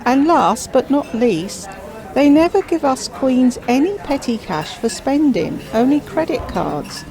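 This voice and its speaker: Woman doing a drawly grand widowed queen, full of herself, slow and theatrical, crowd chatter behind. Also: high-pitched, big pitch swings, voice pushed up, heavily acted. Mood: grandiose.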